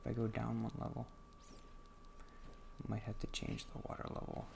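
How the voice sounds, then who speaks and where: A soft-spoken man with a quiet voice, halting and muttering to himself as he plays through a game, on a microphone turned up high. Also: monotone, gravelly, a little hiss or hum. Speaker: gaming channel host. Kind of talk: casual gameplay commentary. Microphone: computer microphone turned up loud.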